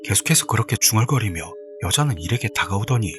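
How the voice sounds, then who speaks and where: A man's voice: lowish voice, lively intonation, quick pace. A man narrating a scripted horror story in a dramatic, suspenseful way. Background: background music.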